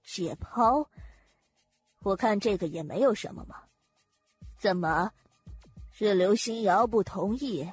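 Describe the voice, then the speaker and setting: A woman's voice: mid-range voice, animated, slow, long pauses, a little mellow, husky, faint music behind, full character voice. A woman playing an imperious, cold and indignant wife of a powerful man in an audiobook drama, haughty, accusing and sarcastic. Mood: haughty questioning.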